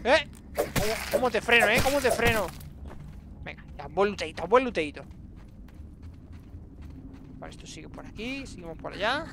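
A man's voice: high voice, lively intonation, moderate pace, gravelly, long pauses, background noise. A man with a Spain Spanish accent giving let's-play commentary, muttering to himself and bursting into exclamations, recorded on a desk mic at home. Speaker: gaming streamer.

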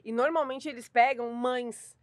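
A young woman with a Brazilian Portuguese accent co-hosts a relaxed chat, her voice high and bright. She tells stories with drama and animation. The sound is dry and close, with no room around it. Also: a little slow, no room sound. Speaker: co-host. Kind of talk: casual chat.

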